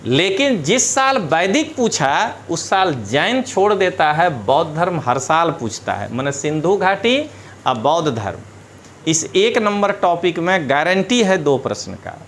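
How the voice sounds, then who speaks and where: A man teaching an exam syllabus lecture, explaining in a lively way and checking in with his students. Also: on the high side, unhurried, slight background noise. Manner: animated, explanatory, addresses students directly with rhetorical checks.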